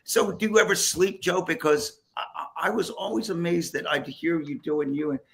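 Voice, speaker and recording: A man. His voice has a rough, gravelly grain, and he talks in rambling bursts with plenty of restarts and easy chuckles. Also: a little high, fairly even intonation, normal speed. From United States, Levittown area. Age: 60s. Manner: rambling, friendly, many restarts, chuckles often. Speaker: podcast host. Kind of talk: casual chat.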